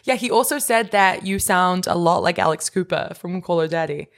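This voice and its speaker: A young adult woman co-hosting a podcast in casual, playful chat, wry and quick to laugh. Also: on the low side, expressive. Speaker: podcast co-host.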